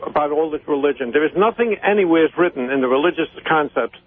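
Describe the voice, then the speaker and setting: An older man calling in to a talk show, arguing insistently with halting phrasing. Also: fairly high pitch, lively intonation, slight background noise. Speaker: caller, the host's father. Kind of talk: opinionated phone-in talk. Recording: tinny, narrow phone line.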